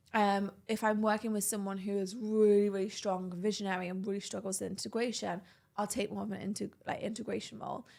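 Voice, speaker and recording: With a British accent, a woman speaks very fast at a medium pitch in a flat monotone. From UK. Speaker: digital marketing entrepreneur. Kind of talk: podcast interview. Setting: makeup studio.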